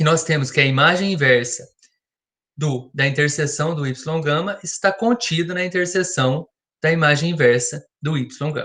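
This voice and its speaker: Bright and sharp in tone, a man's voice sits fairly high in pitch with ordinary pitch variation. He talks at a moderate pace. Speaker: math teacher. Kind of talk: lecture.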